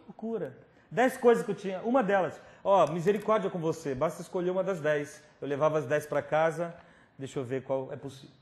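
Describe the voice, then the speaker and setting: A man's voice: on the high side, brisk. Man preaching a dramatic testimony. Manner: dramatic storytelling, swinging from whispers to loud pleading. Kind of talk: testimony sermon. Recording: roomy hall recording with faint noise.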